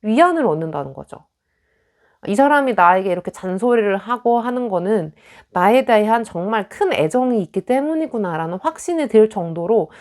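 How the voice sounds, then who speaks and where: Lively young woman reading tarot. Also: medium pitch. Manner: chatty, acts out quoted lines. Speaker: tarot reader.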